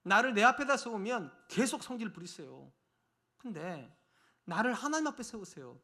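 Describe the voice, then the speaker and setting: A middle-aged pastor preaching from the pulpit, his voice pitched high and sharp. He swings from pressing, raised appeals down to quiet, low asides aimed straight at the pews. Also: sing-song, normal speed. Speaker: senior pastor. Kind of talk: sermon. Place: church sanctuary.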